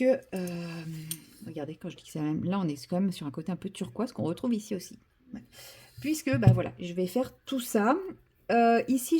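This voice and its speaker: Chatty woman with a mellow voice. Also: on the high side, slightly rough. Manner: chatty, self-deprecating, full of fillers and restarts. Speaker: vlogger. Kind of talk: casual chat while painting.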